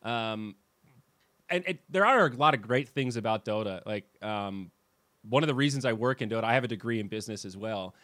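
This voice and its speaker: A man hosting a podcast in casual chat, telling animated stories with swearing and restarts. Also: fairly low pitch, brisk, no echo. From United States. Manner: animated storyteller who swears and restarts sentences. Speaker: podcast host and esports commentator.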